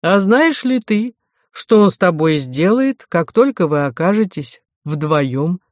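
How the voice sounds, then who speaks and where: A narrator voicing a mocking dream priest in white with magpie wings, speaking louder and higher than the narration, in a dry, close recording. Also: very animated, measured pace, no room sound. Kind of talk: audiobook character voice.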